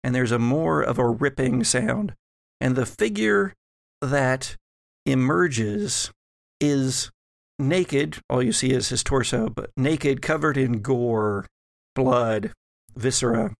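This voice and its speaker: A man narrating a tabletop horror game as game master, deliberately and with dramatic pauses. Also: medium pitch, gravelly, dry recording, studio quality.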